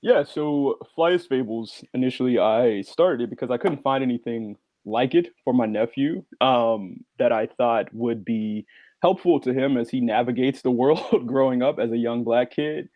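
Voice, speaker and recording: A man's voice: medium pitch, moderate pace, dry recording. A man from the United States talking casually and conversationally as a guest on a panel. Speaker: podcast creator, panel guest. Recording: slightly dull, band-limited audio.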